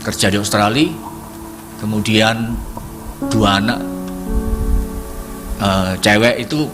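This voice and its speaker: A middle-aged man giving a testimony at a church prayer service, halting and repeating himself as he searches for words. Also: fairly low pitch, level tone. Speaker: congregation member giving testimony. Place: church hall. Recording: church service with music playing behind.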